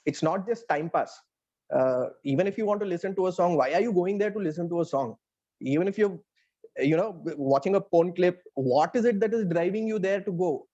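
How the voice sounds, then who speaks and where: A man with an Indian accent talking reflectively in a casual interview as a writer, often pausing to search for words. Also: high-pitched, dark tone. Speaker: interviewed audio playwright. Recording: dull, band-limited audio.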